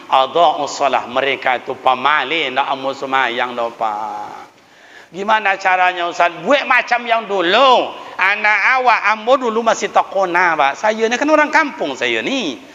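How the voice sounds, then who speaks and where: A man delivers a sermon full of jokes and folksy stories. His voice sits high and sounds bright and ringing. The sound is dull and lo-fi, with the long reverb of a large hall. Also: lively intonation, moderate pace. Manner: humorous storytelling with folksy asides, addressing elders directly. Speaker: preacher. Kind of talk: lively village sermon. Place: mosque.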